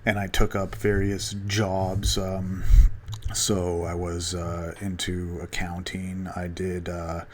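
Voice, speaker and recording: Low, flat-voiced man in his thirties. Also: a little hiss or hum. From Canada. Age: 30s. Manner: loose, halting, many fillers and restarts, casual swearing. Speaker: podcast host. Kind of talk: rambling solo podcast monologue.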